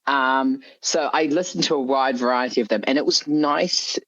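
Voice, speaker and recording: A man's voice: mid-range voice, moderate pace, a bit bright, dry recording, lo-fi sound. A man speaking as an author being interviewed, chatting casually in a rambling, hedging way. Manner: rambling, hedging with frequent "you know" and "like". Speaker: interview guest, horror story author.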